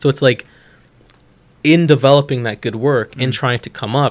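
A man talks in an American accent. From Chicago suburbs, Illinois. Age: 30s. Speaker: bodybuilder and strength coach. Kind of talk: casual chat.

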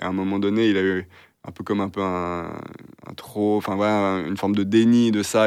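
On a very clean recording with a silent background, a man speaks at a fairly low pitch and moderate pace, his intonation monotone and flat. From French-speaking Switzerland, near Nyon (Vaud). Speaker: filmmaker and snowboarder. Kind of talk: interview. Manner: hesitant, frequent fillers.

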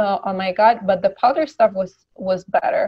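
At a moderate pace, a woman with a slight Polish accent speaks at a medium pitch in a somewhat breathy voice. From Poland. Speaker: health coach. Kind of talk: casual interview chat.

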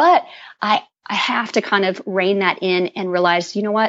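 This woman has an unremarkable speaking voice at a medium pitch. She talks at a fairly quick pace with fairly even intonation. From Texas. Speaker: fitness coach. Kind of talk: interview.

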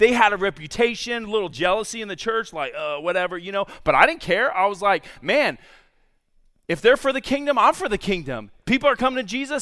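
Raised and projected, a man's high, bright, sharp voice in an American accent swings very widely in pitch at a fairly quick pace, on a very clean recording with a silent background. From San Diego, California. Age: 40s. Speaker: pastor. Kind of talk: sermon.

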